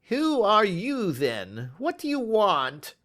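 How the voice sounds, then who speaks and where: A man voicing a nervous, frightened little man who whines in a high, quavering voice in a storybook reading. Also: big pitch swings, takes it slowly, heavily acted. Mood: frightened whining.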